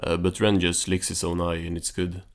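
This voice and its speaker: Casting: man with a low voice, offhand and understated, casual cartoon recap narration. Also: monotone, moderate pace.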